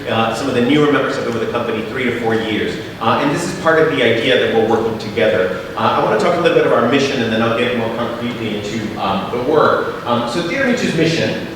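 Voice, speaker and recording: A middle-aged man, native Spanish speaker from Mexico, presenting his theater company with slides, full of "uh"s and rhetorical "right?". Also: medium pitch. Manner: many filler sounds, frequent rhetorical "right?". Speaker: theater company artistic director giving a talk. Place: large echoing hall. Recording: echoey hall, voice from far off, faint noise.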